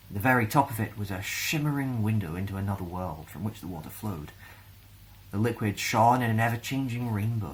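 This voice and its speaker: Male storyteller, Scottish, low voice, gentle and expressive reading of children's fantasy. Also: slight background noise, rough recording. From Scotland.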